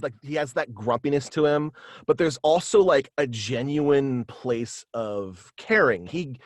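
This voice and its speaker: A man's voice: mid-range voice, dry recording, studio quality. A young man chatting casually and in a rambling way as an interview guest, peppering his talk with "like". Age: young adult. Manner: rambling, frequent "like". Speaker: guest, voice actor and writer. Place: small room at home, on video call.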